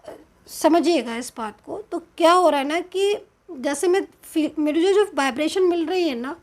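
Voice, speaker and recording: A woman with a high, light voice and an Indian accent talks through a tarot reading. She speaks slowly and hesitantly, filling pauses with small sounds as she works out each card. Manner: slow, hesitant, explanatory, with many fillers.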